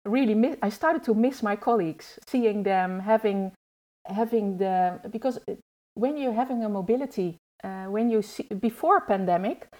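Woman, 40s, podcast guest; mellow, relaxed tone, halting delivery with many pauses. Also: medium pitch. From Netherlands. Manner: hesitant, searching for words. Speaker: youth trainer and guest. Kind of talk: podcast conversation.

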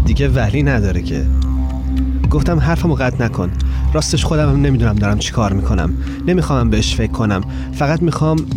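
A man reads a first-person story in an earnest, reflective tone, giving the characters' lines his own plain voice. His pitch sits in an ordinary middle range. Faint music plays underneath. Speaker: narrator.

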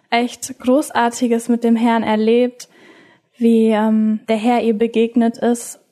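Host: woman, slightly high voice, unhurried and steady, gentle interviewer. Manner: gentle, encouraging questions. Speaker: podcast interviewer. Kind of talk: casual interview chat.

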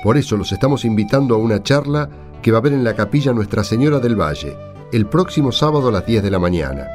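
A man's voice: on the low side, animated, fast talker, music in the background. A man with an Argentine accent presenting on radio in a scripted, folksy announcing style.

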